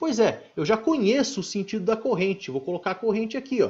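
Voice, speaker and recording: Lively intonation at a fairly quick pace. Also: man. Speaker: electrical engineering teacher. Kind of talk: lecture. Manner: fast; casual.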